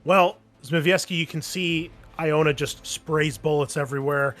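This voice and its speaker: A man's voice: a little high, fairly even intonation, normal speed, a bit bright, faint music behind. A man speaking casually as a game master, narrating scenes and explaining rules to players.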